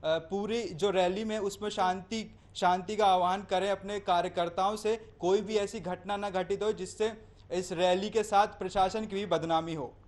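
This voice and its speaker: A man's voice: high-pitched, steady tone, normal speed. A man reporting live as a news correspondent, explaining in long, winding sentences with hesitations.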